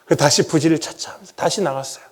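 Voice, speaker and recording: Korean pastor telling a dramatic testimony. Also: male voice, a little high, rapid-fire, husky. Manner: storytelling with rhetorical questions, acting out his own past words. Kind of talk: sermon with personal testimony.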